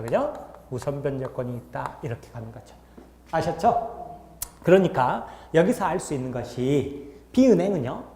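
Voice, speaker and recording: Animated male lecturer in an echoey hall. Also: a little high, slight background noise. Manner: asks the class frequent check-in questions. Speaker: law lecturer. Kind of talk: classroom lecture.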